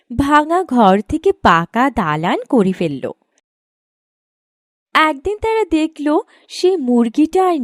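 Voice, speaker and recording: A woman's voice: sits high, no echo, clean studio sound. A woman reading scripted narration as the storyteller of a children's moral tale.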